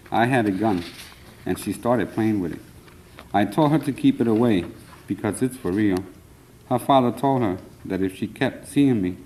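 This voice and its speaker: A man's voice: on the low side, mellow, a little hiss or hum, rough recording. A man in his thirties from Puerto Rico reading his own poems at a conference, earnest and plain, a little nervous. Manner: earnest, plain, measured delivery with short line breaks. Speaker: poet reading his work. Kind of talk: live poetry reading. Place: conference hall.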